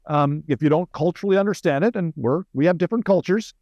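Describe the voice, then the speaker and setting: A middle-aged Canadian man with a fairly high voice speaks as a military guest in an interview. The sound is dry, with little room in it. He explains things conversationally and drops in wry asides. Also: fast, a little mellow, dry recording, lo-fi sound.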